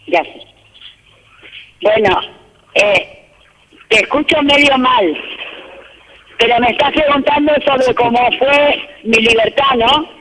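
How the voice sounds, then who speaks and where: A woman's voice: high voice, long reverb tail, slight background noise. Woman on a choppy, breaking-up phone line. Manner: calm, reflective, speaks in measured phrases with restarts. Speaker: guest on a phone call. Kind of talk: live phone interview.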